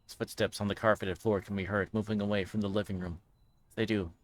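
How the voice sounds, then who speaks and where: A man's voice: fairly low pitch, little pitch movement, a little fast. A man livestreaming a visual novel, chatting casually and reading aloud, sometimes stumbling over his words. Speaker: streamer.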